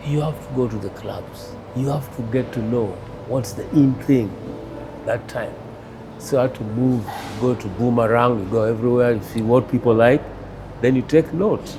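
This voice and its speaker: At a moderate pace, a man speaks at a medium pitch with fairly even intonation, leaving long, frequent pauses. Noticeable background noise is present. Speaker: radio broadcaster. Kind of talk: interview answer. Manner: relaxed, calm.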